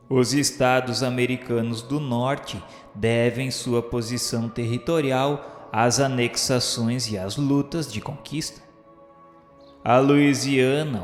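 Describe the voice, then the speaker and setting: A Brazilian man narrating a scripted radio drama in a solemn, grandiloquent, measured manner. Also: mid-range voice. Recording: echoey hall reverb with faint music.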